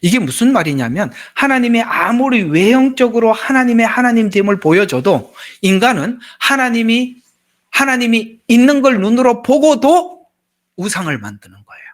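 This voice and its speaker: A man's voice: very high-pitched, sing-song, moderate pace. A male pastor, preaching a sermon in a chatty, joking way with asides to the congregation. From Gyeongsang region, Korea.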